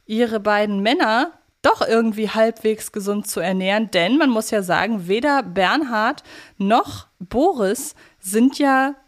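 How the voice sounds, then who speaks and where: A woman's voice: on the high side, measured pace. A woman co-hosting a podcast, chatting casually in a wordy, playfully analytical way. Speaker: podcast co-host. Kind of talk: casual chat, analysing a radio play.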